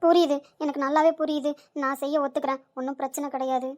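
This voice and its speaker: A woman's voice: high-pitched, fairly even intonation, fast talker, a little mellow, close to an everyday voice. A woman voicing a desperate young woman who pleads urgently for money in an amateur audio drama. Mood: pleading.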